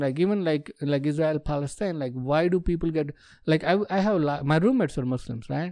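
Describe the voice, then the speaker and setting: This man has a fairly high voice with a dark, mellow tone and an Indian accent. He talks at a fairly quick pace. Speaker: stand-up comedian. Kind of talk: casual chat. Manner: animated.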